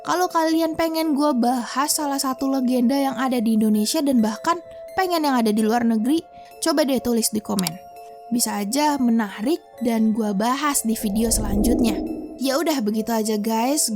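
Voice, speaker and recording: A woman's voice: on the high side, normal speed. A young woman casually telling a horror story, chatty and slangy, speaking straight to her viewers. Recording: soft background music.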